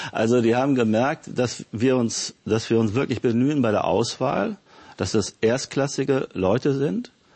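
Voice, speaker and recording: A man speaks at a moderate pace and medium pitch with ordinary pitch variation in a normal speaking voice. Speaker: member of parliament. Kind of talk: panel discussion.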